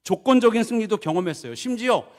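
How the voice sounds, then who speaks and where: A middle-aged man preaching a sermon as pastor, asking the congregation questions and acting out the prayers he quotes in a low, soft voice. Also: sing-song, fast talker. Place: church sanctuary. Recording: long church reverb.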